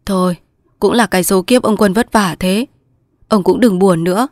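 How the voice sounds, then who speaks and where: A woman voicing a calm, kindly old male villager who speaks plainly in a storybook reading. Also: medium pitch, moderate pace, no echo, clean studio sound, lightly acted.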